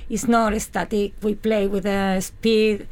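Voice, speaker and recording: A woman's voice: mid-range voice, flat delivery, slow, darkish tone, clear, resonant tone. A woman from Madrid with a Spanish accent, a flamenco dancer chatting in an interview and sometimes searching for English words. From Spain, Madrid. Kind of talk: casual interview chat.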